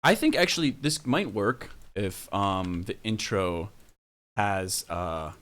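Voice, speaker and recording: A man's voice: lowish voice, expressive, slow, over music. Young man musing over his track. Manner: musing, trails off mid-sentence, thinking aloud. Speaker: music producer streaming. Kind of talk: casual livestream commentary while producing. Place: small home studio.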